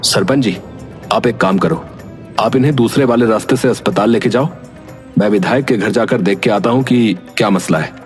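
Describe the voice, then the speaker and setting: A man playing a sensible, take-charge young villager in an animated moral story, speaking in a direct, practical way. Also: fairly low pitch, normal speed, soft background music, close to an everyday voice.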